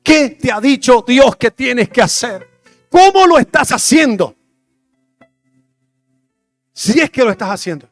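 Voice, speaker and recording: A male pastor preaching with passion, swinging between loud declarations and hushed, prayerful asides. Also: extremely high pitch, expressive, a little slow, pauses often, faint music behind. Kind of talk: sermon.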